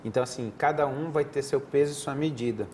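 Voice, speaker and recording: A man's voice: mid-range voice, quick pace, darkish tone, a little hiss or hum. A man who is a head and neck surgeon from Brazil. He answers interview questions in an explanatory, conversational way, often restarting his sentences. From Northeastern Brazil. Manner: didactic, conversational, frequent restarts. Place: TV studio desk.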